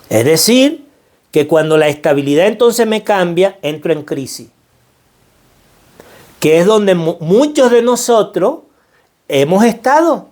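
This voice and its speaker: Pitched fairly high and darkish in tone, the voice belongs to a middle-aged man with a Venezuelan Spanish accent. As a financial mindset speaker, he gives an earnest motivational talk with a preacherly feel. For emphasis, he says phrases more than once.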